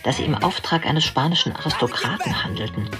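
A man as a factual documentary narrator in a radio drama, reading a script in a measured, articulate way. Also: fairly high pitch, very animated. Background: music.

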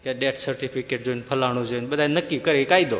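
A man preaching a sermon, telling a devotional story in a lively way and often chuckling. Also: medium pitch, fast talker, slight background noise. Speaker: religious preacher. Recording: long hall reverb.

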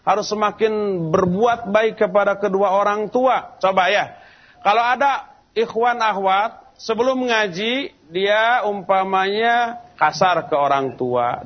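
A man's voice: sits high, lo-fi sound. A man preaching in a mosque in a colloquial, storytelling style, acting out the people he quotes. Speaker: Islamic preacher. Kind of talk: sermon. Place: large mosque lecture hall.

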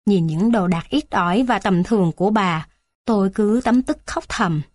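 A woman narrating a children's story in a steady, plain reading voice. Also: medium pitch, moderate pace, no room sound.

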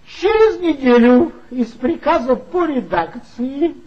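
A man's voice: very high-pitched, animated, slow, lo-fi sound, full character voice. An actor playing a tipsy former magazine worker who mockingly gossips about his old boss in a 1960s radio play. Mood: gossipy. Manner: gossipy, mocking, confiding storyteller.

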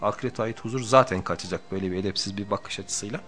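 A middle-aged man giving a religious lecture on the radio, explaining points in a measured way and stacking up lists and repetitions for emphasis. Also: lowish voice, sharp tone. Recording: radio archive with faint music.

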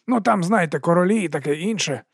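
A man plays a shifty, pushy street vendor in a storybook, with a high, brassy, slightly gravelly voice. He hawks his wares loudly and wheedles every customer, recorded dry and close. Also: animated, quick pace, no room sound, exaggerated voice. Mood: hawking. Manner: wheedling sales patter, loud hawking.

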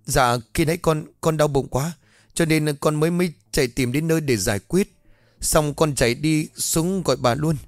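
A man's voice: a little high, normal speed, dry recording, clean studio sound, pitched above the performer's own voice, lightly acted. A man playing a stammering frightened servant girl. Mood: scared stammering. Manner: stammering, timid pleading.

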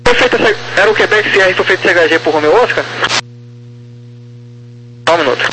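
A man's voice: high voice, fairly quick, pushed and bright, slightly rough, low-quality recording. A man talking informally over an aviation radio.

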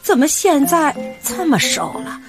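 A woman's voice: high-pitched, very animated, measured pace, exaggerated voice. An actress playing a chatty, doting old grandmother with a Beijing accent in a radio drama over background music. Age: older.

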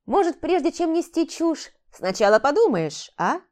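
A wise male talking cat from a fantasy storybook, read by a woman, calm and lecturing with a dry, teasing edge. The voice sits mellow and dark in tone, never rushed, patiently explaining hard truths. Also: sits high, voice pushed up. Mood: sardonic. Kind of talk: audiobook character voicing.

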